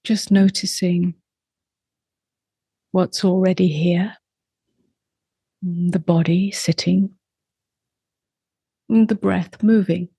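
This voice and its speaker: Speaking quietly and without hurry, a woman leads a guided meditation as its teacher, her breathy, gentle voice broken by long pauses between brief phrases. She has a fairly low pitch and fairly even intonation, and there's no room sound.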